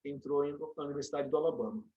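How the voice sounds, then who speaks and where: A Brazilian man, a dentist and program director, is interviewed casually and rattles off animated stories at speed, with many restarts and lots of "né?" tags. His voice is slightly high, and the audio has phone-like quality.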